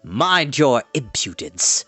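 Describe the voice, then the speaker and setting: A man's voice: medium pitch, sing-song, slow, pushed and bright, slightly rough, no room sound, faint music behind, heavily acted. A man voicing an arrogant, ill-tempered young prince with a haughty, commanding manner in a storybook reading. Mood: haughty, scornful.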